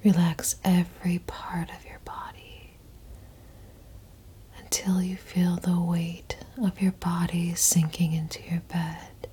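A woman whispering in a slow, hushed, intimate way, performing a guided ASMR hypnosis roleplay. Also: fairly low pitch, level tone. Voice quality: breathy whisper. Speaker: audio performer.

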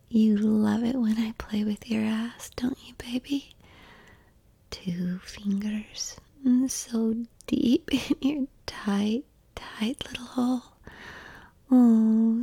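A woman whispering an intimate ASMR roleplay in a soft, coaxing, reassuring manner. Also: on the high side, vocal fry, breathy edge, dry recording.

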